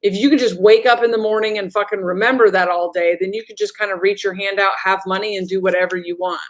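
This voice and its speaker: Woman channeler, casual livestream update, blunt and profane, rambling delivery, mid-pitched. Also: fairly even intonation, quick pace. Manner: reads viewer comments aloud. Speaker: spiritual channeler giving an energy update.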